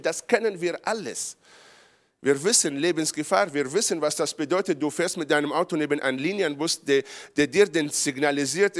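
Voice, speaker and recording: A man from Israel preaching a charismatic sermon, his voice sitting a little high. He talks in imperfect, non-native German and climbs to loud, emphatic peaks. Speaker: pastor.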